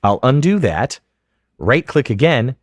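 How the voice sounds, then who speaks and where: A man giving scripted, methodical step-by-step instruction as a software tutorial narrator. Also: medium pitch, sing-song, measured pace, no echo, studio quality, soft background music. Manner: clear, methodical, step-by-step explanation. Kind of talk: scripted instructional narration over screen demo.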